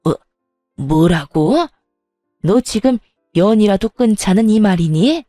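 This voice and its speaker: A spiteful older mother-in-law, voiced by a woman narrator, bullying and theatrical, her voice mellow and dark at the edges. She scolds and wails in an audio story, recorded dry and close with soft music underneath. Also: mid-range voice, expressive, slow pace, no echo. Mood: scolding. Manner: scolding, wails loudly when playing the victim. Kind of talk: storytelling voice acting.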